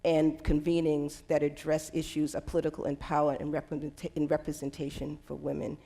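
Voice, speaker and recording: A middle-aged woman giving prepared personal remarks as a panelist, speaking in a measured, deliberate way. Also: low-pitched, monotone, gravelly, warm tone. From United States. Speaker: panelist, center director.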